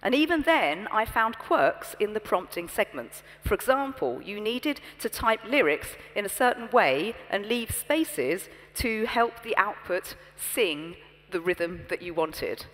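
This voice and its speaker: A young British woman giving a scripted keynote on a large conference stage, poised and expressive, through a headset mic. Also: medium pitch, unhurried. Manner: poised, expressive, storytelling delivery. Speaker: keynote speaker. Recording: long reverb from a large hall.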